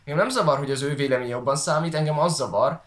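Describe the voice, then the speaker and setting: A man from Hungary chats casually, often halting to search for the right words. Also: fairly high pitch, a bit bright. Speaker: online video creator and talk co-host. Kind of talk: casual conversational commentary. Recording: echoey room sound.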